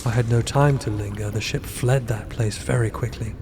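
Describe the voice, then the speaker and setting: An actor playing a hesitant, questioning grandchild adventurer in an audio drama, speaking plainly and earnestly. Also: male voice, medium pitch, steady tone, normal speed, noisy background, close to an everyday voice.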